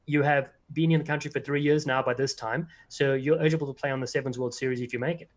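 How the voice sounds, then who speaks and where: Fast-talking South African man on a video call. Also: medium pitch, fairly even intonation. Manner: quick, rambling anecdotes full of fillers and restarts. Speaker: guest, former player and commentator. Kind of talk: casual interview storytelling.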